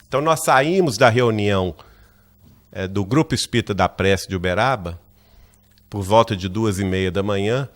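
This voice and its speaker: Lively Brazilian man telling a story. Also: fairly low pitch, moderate pace. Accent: Brazilian Portuguese, Minas Gerais. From Brazil, Minas Gerais. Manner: lively narrator who acts out quoted dialogue, often asks "né?". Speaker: lecturer at a spiritist center. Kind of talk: anecdotal lecture storytelling.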